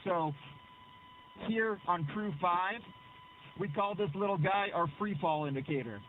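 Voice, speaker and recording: A man's voice: high-pitched, unhurried, phone-quality sound. A male astronaut heard over a crackly space-to-ground radio link, giving clipped procedural callouts to mission control.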